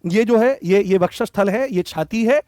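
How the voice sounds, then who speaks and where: A man's voice: sits high, normal speed, darkish tone, dry recording. A man teaching a Hindi grammar lesson, repeating key phrases and quizzing his students with fond nicknames. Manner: affectionate terms for students. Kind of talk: online exam-prep lesson.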